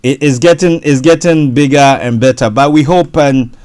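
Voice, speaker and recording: A man hosting a radio property show, interviewing a guest in a halting way, often repeating words. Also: medium pitch, a little mellow. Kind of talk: casual interview.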